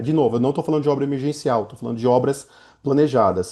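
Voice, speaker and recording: A man with a fairly high pitch and ordinary pitch variation is heard over a quiet background. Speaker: public administration professor. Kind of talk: webinar lecture. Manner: fast.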